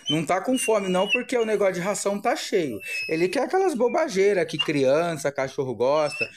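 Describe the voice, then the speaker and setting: Brazilian guy vlogging on his phone at home, voice bouncing all over, higher pitched, lots of noise in the background. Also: a little fast. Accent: Brazilian Portuguese. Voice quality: animated, playful narrating. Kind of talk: casual chat to viewers. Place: home living room with a sofa.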